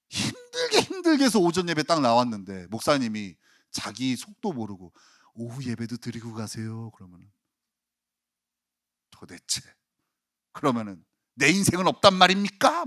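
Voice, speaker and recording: Animated, high-voiced man preaching. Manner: dramatic preaching, acting out quoted complaints with rising intensity. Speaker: pastor. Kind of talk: sermon.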